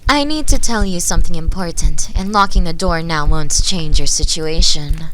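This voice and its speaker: A woman voicing a sinister, manipulative seer, speaking calmly and slowly with a soft, partly whispered voice into a binaural mic. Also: lowish voice, slight background noise, natural voice, poor audio. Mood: gloating. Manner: calm, slow and coolly menacing.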